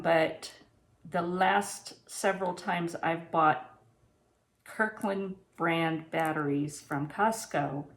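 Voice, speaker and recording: A woman in her sixties talking casually to camera in a home kitchen, plain-spoken and practical, as a vlogger giving advice and reviews. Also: fairly low pitch. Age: 60s. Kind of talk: casual talk to camera about preparedness and a product review.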